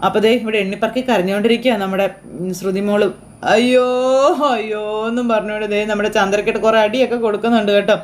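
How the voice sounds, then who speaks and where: Quick chatty woman recapping a serial. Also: medium pitch, level tone. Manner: chatty, acts out the dialogue in quotes. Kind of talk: fast casual retelling of a TV serial.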